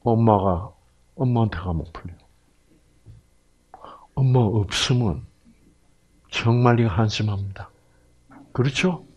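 Guy lecturing on health, slow and deliberate, keeps throwing questions at the crowd. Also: lowish voice, husky, highs cut off. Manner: animated, acts out little scenes and asks the audience questions. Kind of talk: lively lecture.

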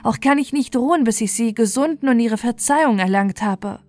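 A woman's voice: on the high side, normal speed, a little mellow, close to an everyday voice. Fairy-tale storybook role: humble young prince, remorseful, emphatic pleading, played by a woman, music behind. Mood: humble, troubled.

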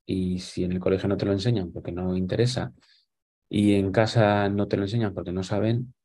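Speaking as a guest on a casual video call from a small room at home, this deep-voiced, gravelly man keeps a steady, warm tone at a slightly fast pace. His explanations are thoughtful but full of fillers and restarts, captured through a webcam.

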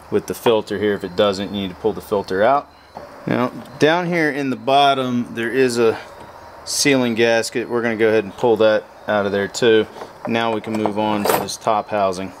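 A man's voice: on the low side, slight background noise. A man walking through a repair step by step in a plain, practical way while he works with his hands at a truck bed. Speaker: motorcycle repair how-to host. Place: outdoors at a pickup truck bed workbench.

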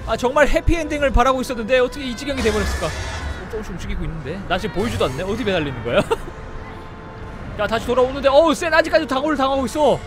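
High-voiced excitable male game commentator. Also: fast talker, music in the background. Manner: shouts and exclaims, talks to the game creature. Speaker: game streamer.

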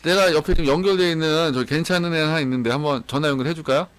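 A man in his thirties streaming live from a small room on a headset mic, loud and excitable, often laughing. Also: fairly high pitch, racing, smooth. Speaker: game streamer. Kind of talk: casual live-stream chat.

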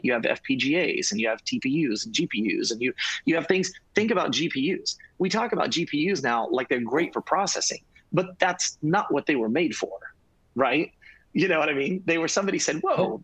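A middle-aged man talks eagerly on a video call, tumbling over his words with restarts. His voice is slightly husky. The sound is dry and close. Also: medium pitch, dry recording, low-quality recording. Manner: energetic, repeats words, gestures with hands. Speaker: panelist. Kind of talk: fast, enthusiastic panel discussion. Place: home studio room.

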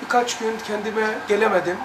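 Male religious study teacher, high voice, earnest and emphatic storyteller, recorded from a distance with light background noise. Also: steady tone. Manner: earnest and emphatic, acting out sounds and drawn-out words. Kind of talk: recounting a personal experience and reading aloud in a study lesson. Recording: echoey room, distant mic, light noise.

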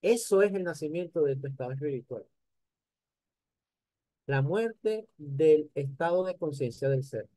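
An older man giving an animated motivational lecture, speaking straight to his audience. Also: fairly high pitch, unhurried, pauses often, dry recording. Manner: animated, addresses the audience directly. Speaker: conference speaker.

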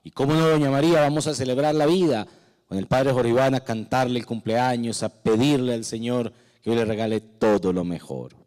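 A man's voice: mid-range voice, a little fast, a little mellow. A middle-aged man, a Catholic priest, speaking prayers and blessings at Mass into a microphone in a chapel. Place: indoor chapel, at the altar. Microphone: handheld microphone.

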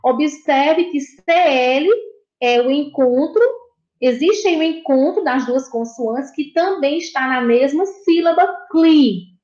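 A woman's voice: high-pitched, slow, a little mellow. A Brazilian Portuguese woman teaching a recorded lesson to young children, patient and encouraging, repeating each point and praising answers. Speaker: primary school teacher. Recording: dull, echoey room.

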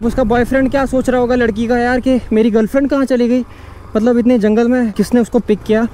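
A man's voice: very high voice, fairly even intonation, quick pace, warm tone. A man vlogging casually outdoors from his motorbike, chatty and teasing, laughing often. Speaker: motovlogger. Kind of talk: casual motovlog chat. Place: outdoors on the road.

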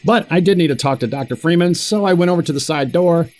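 An actor playing a wry, squeamish middle-aged corporate boss, narrating an audio drama in wordy, pompous style. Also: male voice, a little high, quick pace, a little mellow, soft background music, lightly acted. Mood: fussy, uneasy.

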